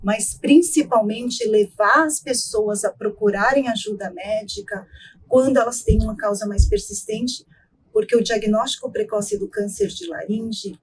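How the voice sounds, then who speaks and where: A middle-aged woman speaking as a doctor in an interview, measured and explanatory, with a mid-range voice. She often checks in with short tag questions. A faint hiss of background noise sits under her voice. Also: mid-range voice, rough recording. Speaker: ENT doctor, guest expert.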